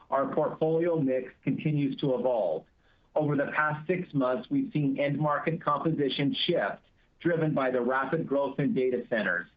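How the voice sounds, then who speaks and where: A man delivering prepared earnings-call remarks as a company chief executive, in a measured, scripted corporate manner. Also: mid-range voice. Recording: dull, band-limited conference call audio.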